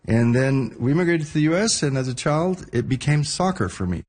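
A man from Argentina with an American accent speaks relaxedly in an interview, pausing with fillers. His voice is husky. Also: mid-range voice, lively intonation, darkish tone. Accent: American English. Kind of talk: casual interview.

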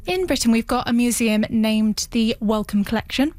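High-voiced woman interpreting an interview. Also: a little mellow. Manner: measured, with pauses and restarts. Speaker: sign language interpreter voicing a guest. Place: radio studio.

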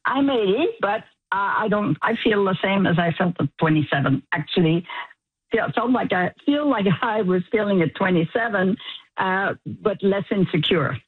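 Breathy woman in her eighties on phone. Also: mid-range voice, animated, normal speed, no echo. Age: 80s. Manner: cheerful, laughs while talking. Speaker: caller. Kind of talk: phone-in call to a radio show. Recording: tinny phone line.

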